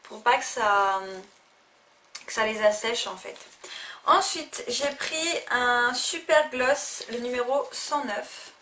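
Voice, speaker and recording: A woman's voice: a little high, slow pace, bright, forceful tone. A young woman casually reviewing makeup she bought, talking hesitantly with many fillers and restarts. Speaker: beauty vlogger. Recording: faint noise, a little distant from the mic.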